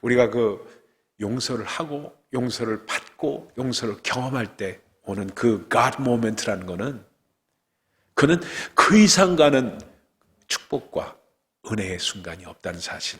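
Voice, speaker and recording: A middle-aged man preaching a sermon as pastor, swinging from loud outbursts down to hushed whispers. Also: medium pitch, animated, moderate pace, big-room sound. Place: church sanctuary.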